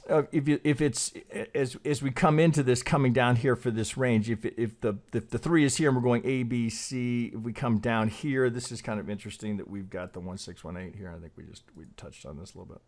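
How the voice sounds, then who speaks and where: A man's voice: mid-range voice, fairly quick, hardly any pauses, darkish tone. A middle-aged man hosting a trading channel, talking casually through chart analysis, rambling, swearing and asking "right?" again and again.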